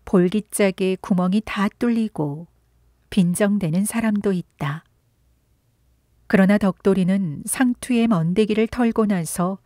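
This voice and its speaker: Slow, mellow woman reading a story. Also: medium pitch, dry recording, studio quality. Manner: gentle, unhurried storytelling with some breathy whispered passages. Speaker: audiobook narrator. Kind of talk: soft literary audiobook reading.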